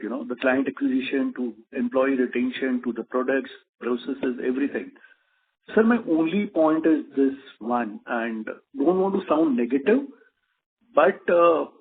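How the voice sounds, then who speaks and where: A man asking a question as an investor, hesitant and polite, circling around his point. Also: mid-range voice. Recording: noisy tinny phone line with clicks.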